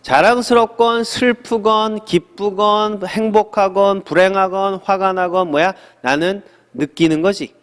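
A middle-aged man teaching an English lesson in a studio, lively and chatty, asking questions and answering them himself. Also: high voice, measured pace, few pauses, long reverb tail. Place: small studio.

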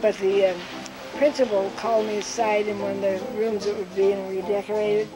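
An older woman recounting memories from her life in an interview, telling stories lively and acting out what people said. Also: mid-range voice, moderate pace, over music, poor audio. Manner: lively storyteller who acts out quotes with laughs.

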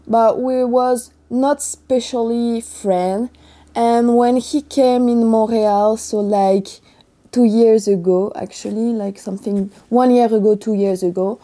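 A young woman from France speaking English with a French accent, chatting casually in her vlog with a hoarse morning voice. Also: on the high side, mellow. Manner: chatty, upbeat, loose non-native phrasing. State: hoarse from just waking up. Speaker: athlete vlogger.

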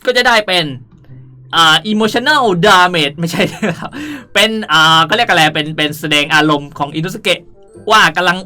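A young man hosting a casual gameplay tutorial in a playful, animated way with cutesy polite sentence endings. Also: sits high, moderate pace. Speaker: gaming video host. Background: background music.

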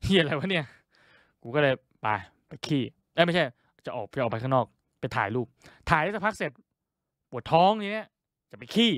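Male stand-up comic, crude and profane, very animated delivery. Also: fairly high pitch, no echo, clean studio sound. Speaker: stand-up comedian. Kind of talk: stand-up storytelling.

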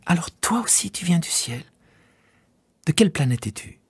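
A man voicing a small, curious boy prince in an audiobook, with soft, breathy, husky tones and wondering, gently insistent questions. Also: on the high side, very animated, normal speed, dry recording, pitched above the performer's own voice, full character voice. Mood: astonished. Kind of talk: audiobook character voice.

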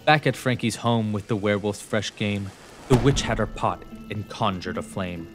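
A man narrating a rhyming children's story in a theatrical, rhythmic, expressive way. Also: lowish voice, normal speed. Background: music.

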